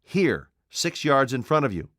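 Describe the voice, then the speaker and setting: A man's voice: medium pitch, very animated, measured pace, fairly bright tone, no room sound, clean studio sound, voice pushed up. Man voicing a curt, commanding invisible man. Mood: menacing. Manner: curt, imperious, cold. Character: commanding, desperate invisible man, adult male. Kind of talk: audiobook character voice.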